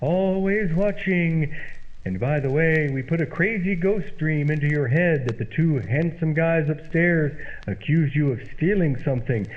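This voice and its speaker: A man's voice: fairly high pitch, unhurried, natural voice. A man playing a smug, theatrical prankster in an old-time radio comedy. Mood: spooky, drawn-out. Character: smug, self-congratulating prankster posing as a wailing ghost. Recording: tinny radio sound with loud noise.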